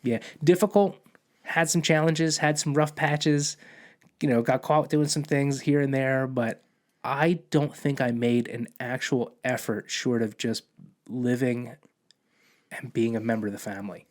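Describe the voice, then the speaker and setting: A man's voice: medium pitch, steady tone, unhurried. Man, podcast guest, casual storytelling, rambling, lots of restarts, quotes people in his telling. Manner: rambling, restarts often, acts out quoted dialogue. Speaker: podcast guest, police officer.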